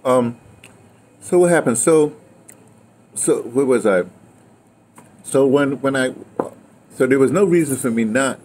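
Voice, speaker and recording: A man's voice: medium pitch, a little slow, pauses often, a little mellow. An older American man telling stories from his life in casual conversation, rambling and emphatic, recorded outdoors at a table. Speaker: interview guest, playwright and audio dramatist. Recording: noisy outdoor ambience on open mic.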